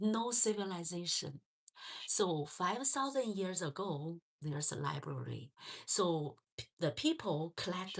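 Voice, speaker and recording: In a Chinese accent, a woman speaks at a fairly slow pace. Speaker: online English teacher. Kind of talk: livestream reading and teaching. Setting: livestream. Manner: halting; quiet.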